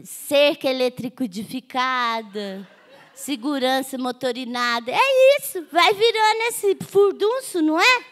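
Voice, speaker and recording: High bright older woman, Minas Gerais accent. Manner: humorous, keeps asking "não é?". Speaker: guest author. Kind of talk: folksy storytelling on a festival panel.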